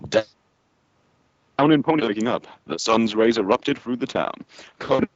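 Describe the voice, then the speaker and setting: A man's voice: medium pitch, lively intonation, a little slow, no room sound. A man reading a story aloud over an online call, his voice cutting out and skipping on a bad connection. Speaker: narrator reading a fan story. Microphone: online voice chat. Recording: lo-fi, choppy online call audio.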